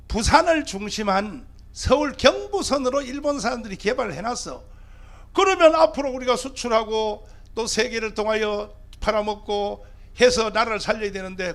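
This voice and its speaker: Pastor guy preaching at a rally, high-pitched, gravelly, keeps throwing questions at the crowd. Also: fairly bright tone. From Gyeongsang region, Korea. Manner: fiery, emphatic, fires rhetorical questions at the crowd. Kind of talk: rally speech.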